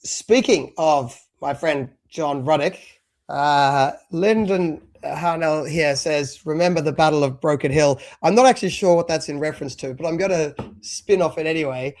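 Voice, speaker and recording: Casting: rambling male podcast co-host, slightly high voice, loose and chatty. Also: normal speed, darkish tone. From abroad, moved to Australia at three. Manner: chatty, rambling with many fillers. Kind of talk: casual live stream chat.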